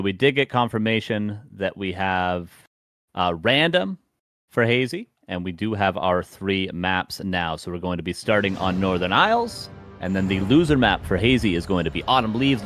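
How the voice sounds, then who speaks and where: A man's voice: sits low, expressive, normal speed, a bit bright. A man casting live esports and handling matchmaking, easygoing and matter-of-fact.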